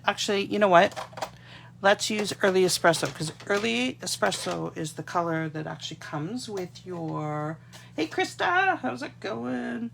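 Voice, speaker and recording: A woman's voice: fairly low pitch, vocal fry, slight background noise. A congested woman from Canada, chatting to viewers as she demonstrates card-making at a craft desk. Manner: chatty, talks to viewers while working. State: congested, getting a cold. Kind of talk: casual live craft tutorial. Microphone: overhead camera on desk, hands only.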